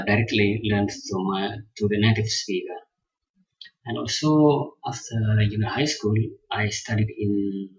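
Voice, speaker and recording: Slow, husky-voiced man, non-native English. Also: on the low side, no room sound, muffled recording. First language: not English (English is his fourth language). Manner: hesitant, many pauses and fillers. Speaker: language learning vlogger. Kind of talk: casual personal account.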